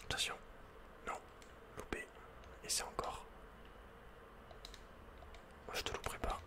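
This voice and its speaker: Whispering man, ASMR game commentary. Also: unhurried. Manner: casual, slangy muttering with mild swearing. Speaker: ASMR gaming streamer.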